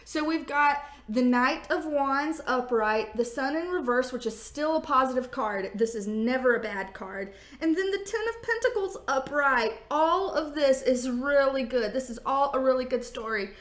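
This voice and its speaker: A woman's voice: sits high, lively intonation, moderate pace, few pauses, fairly bright tone. A woman giving a casual tarot reading on video, sassy and joking, often laughing. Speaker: tarot reader. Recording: roomy echo.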